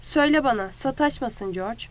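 A woman's voice: on the high side, expressive, normal speed, lightly acted. A woman voicing a big, simple-minded man who speaks timidly and pleads. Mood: pleading.

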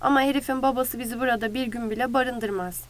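A woman's voice: fairly high pitch, fairly even intonation, fast talker, natural voice. A woman voicing a loyal male farmhand who calls out urgently and worries aloud. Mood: worried. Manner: urgent, shouting.

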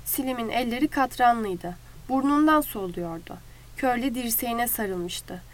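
A woman reads a novel aloud as audiobook narration, measured and clear. Her voice sits somewhat high for a woman. She paces the scene steadily. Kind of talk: scripted narration.

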